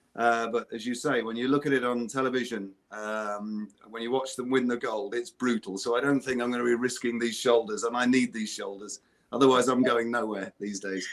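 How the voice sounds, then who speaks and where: With a British accent, a man talks at a fairly quick pace, his medium pitch carried by fairly even intonation. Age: 60s. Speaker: business executive. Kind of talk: panel discussion.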